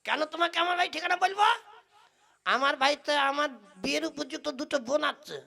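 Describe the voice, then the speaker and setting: A woman's voice: sits high, expressive, quick pace, vocal fry, bright, forceful tone, heavily acted. A woman playing a cheeky, greedy male tea seller who stalls and teases in an exaggerated comic puppet play. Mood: scolding, indignant. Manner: exaggerated, teasing, long-winded.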